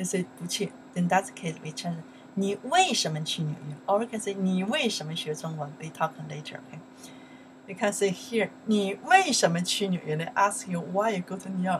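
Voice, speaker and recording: Light background noise sits behind a woman with a Chinese accent. She keeps a moderate pace, with big swings in loudness. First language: Mandarin Chinese. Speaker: Chinese language teacher. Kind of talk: language lesson. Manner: halting, repetitive. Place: home room. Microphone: webcam.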